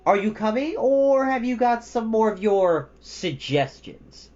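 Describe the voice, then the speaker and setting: Storybook boy leader , male reader: high, loud, proud, imperious and decisive. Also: very animated, a little slow, lo-fi sound. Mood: determined. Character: imperious young boy hero, proud and commanding.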